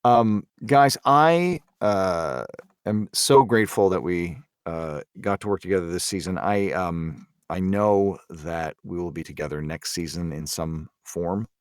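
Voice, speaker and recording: Guy on a podcast, kinda low voice, stops and starts, reflective, no echo. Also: clean tone, studio quality. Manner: halting, reflective. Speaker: podcast participant, drama creator. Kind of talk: casual podcast discussion.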